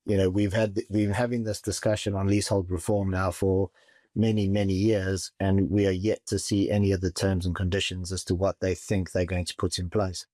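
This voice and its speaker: A man with a very deep voice, answering interview questions as a property and mortgage advisor. He speaks steadily and often repeats a word as he restarts. The recording is dry and close. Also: little pitch movement, warm tone, no room sound. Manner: measured, stumbles and repeats words.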